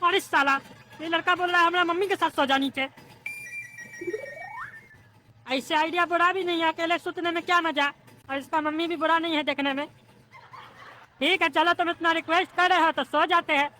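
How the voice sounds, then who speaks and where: A woman voicing a rude, pushy bald politician on a train in a cartoon comedy, speaking in a bossy, crude, shouting manner. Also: very high-pitched, fairly even intonation, brisk, slight background noise. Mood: leering.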